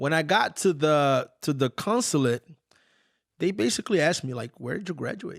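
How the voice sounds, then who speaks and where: A man with a fairly high pitch speaks at a moderate pace with lively intonation. The sound is dry and close with no echo, on a very clean recording with a silent background. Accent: Portuguese. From Brazil. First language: Portuguese. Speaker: author. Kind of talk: interview. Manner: casual, animated.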